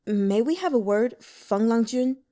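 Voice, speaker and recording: A female reader plays a male broker in a storybook tale, always defending himself. His speech is formal and protesting, raised in pitch with lively swings. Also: a little slow. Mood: polite. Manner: protesting, formal, stammers when flustered. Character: self-justifying male head broker, polite but indignant.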